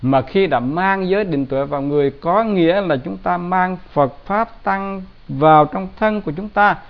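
A man giving a Buddhist dharma talk in a plain, conversational way with gentle humor. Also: high voice, normal speed, vocal fry. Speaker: Buddhist teacher. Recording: dull lo-fi recording.

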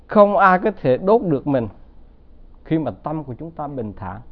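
A man's voice: fairly high pitch, sing-song, normal speed. A man giving a Buddhist dharma talk, telling stories and often asking the audience to agree. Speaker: Buddhist teacher. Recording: tinny phone-like sound.

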